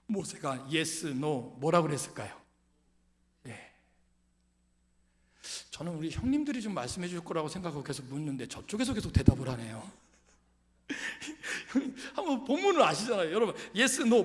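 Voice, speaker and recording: A middle-aged man preaching a sermon to his congregation, asking them questions and swinging from loud calls down to whispers. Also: high-pitched. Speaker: pastor. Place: church sanctuary.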